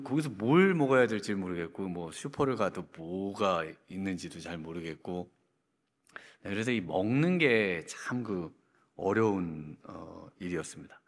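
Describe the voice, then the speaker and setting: A middle-aged man preaching a Friday prayer meeting sermon, telling stories casually with many fillers. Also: on the low side. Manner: conversational storytelling with many fillers. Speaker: pastor. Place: church sanctuary. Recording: church hall reverb.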